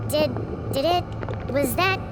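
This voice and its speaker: A man voicing an excitable, flustered space crew member who stammers, in an audio drama. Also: very high voice, takes it slowly, heavy background noise, voice pushed up. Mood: astonished. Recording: loud dramatic music underneath.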